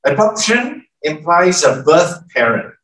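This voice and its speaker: A man's voice: high voice, big pitch swings, slow pace, fairly bright tone. An older man preaching a teaching sermon from a church stage, often checking in with the congregation. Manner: teaching, asks the congregation questions. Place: large church hall with stage. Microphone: from far camera, at lectern. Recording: echoey hall, distant mic.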